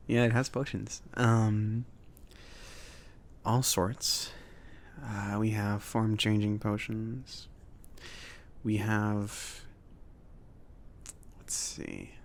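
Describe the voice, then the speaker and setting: A man playing a friendly, awkward mage who runs a potion shop, speaking softly and haltingly in a casual, chatty ASMR roleplay style. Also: on the low side, little pitch movement, slight background noise. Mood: friendly, hesitant. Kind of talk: soft-spoken ASMR roleplay.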